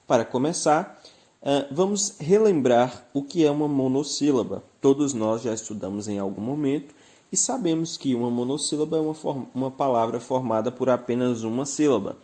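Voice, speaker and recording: A man's voice: mid-range voice, normal speed, dark tone. A man with a Brazilian Portuguese accent teaching a grammar lesson, explaining patiently and stressing the example words.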